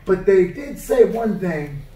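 A woman's voice: mid-range voice, expressive, slow pace, warm tone. A woman voicing an eager, childlike Mexican man puppet in a children's show, speaking in simple exclamations. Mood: earnest, pleased. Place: indoor church room, puppet stage. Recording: echoey room, distant from microphone.

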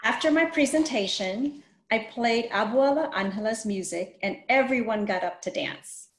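A woman's voice: fairly high pitch, moderate pace. Middle-aged woman hosting, roomy echo. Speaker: host interviewing an author. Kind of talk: read-aloud and casual interview. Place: small indoor room, video call. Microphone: computer mic on a video call. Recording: roomy, echoey video call.

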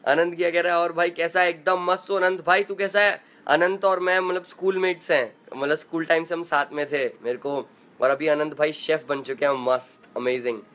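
A man's voice: fairly high pitch, steady tone, a little fast, a bit bright. A young man hosting a casual live stream from his room at home, chatting playfully and greeting viewers by name as he reads their comments aloud.

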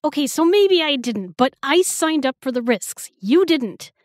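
A woman playing a guilt-ridden, protective girlfriend in an intimate audio roleplay, speaking haltingly and emotionally in a breathy, husky voice. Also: sits high, very animated, no echo, studio quality. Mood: angry, distraught. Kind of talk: intimate audio roleplay acting, spoken to the listener.

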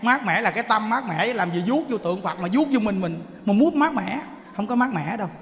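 A male Buddhist monk delivers a sermon, telling stories with laughter and acting out the people in them. His voice is fairly high, and a long hall reverb trails every phrase. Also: expressive, brisk, fairly bright tone.

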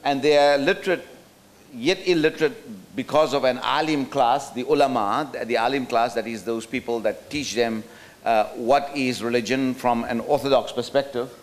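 A man's voice: mid-range voice, moderate pace. A middle-aged man from South Africa giving a talk at a roundtable from a podium in a hotel function room, thoughtful and hesitant with many fillers and restarts. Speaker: speaker at a roundtable. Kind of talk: lecture with slides. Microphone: podium microphone.

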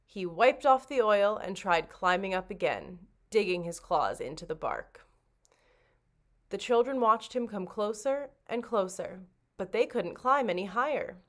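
A woman reading a children's storybook aloud like a librarian, with expressive, dramatic narration. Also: mid-range voice, a little slow.

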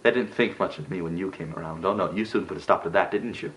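A man performing a dramatic stage monologue as a bitter, jealous elder brother, sarcastic and emotional, moving between hushed delivery and outbursts. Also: low voice, quick pace, slight background noise, voice pushed down, natural voice, rough recording. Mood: sullen.

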